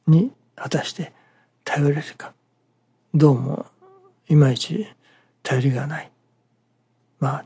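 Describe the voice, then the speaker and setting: A minister giving a morning sermon in a halting, measured way, breaking phrases with pauses and dropping some words to a near-whisper. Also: medium pitch, creaky, dark tone, breathy edge.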